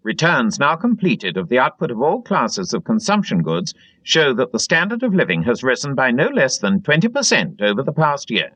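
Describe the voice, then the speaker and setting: A man's voice: mid-range voice, huge pitch swings, normal speed, few pauses, fairly bright tone, no echo, voice pushed up. A man voicing a triumphant state propaganda announcer who declaims official news in a proclamatory manner. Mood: triumphant, proclaiming. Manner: proclamatory, raised declaiming delivery.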